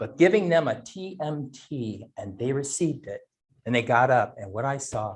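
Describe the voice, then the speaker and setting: The speaker's intonation is lively and somewhat breathy at a moderate pace. Loudness swings widely throughout. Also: man, fairly high pitch for a man. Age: 60s. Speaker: massage therapist. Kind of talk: presentation; casual chat. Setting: community networking meeting.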